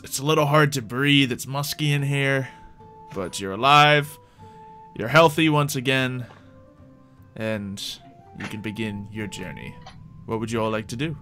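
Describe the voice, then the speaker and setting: Soft music sits behind this game master and stream host as he makes up a tabletop adventure as he goes and chats easily with his livestream audience. He speaks with a mid-range, sharp-toned voice at a measured pace.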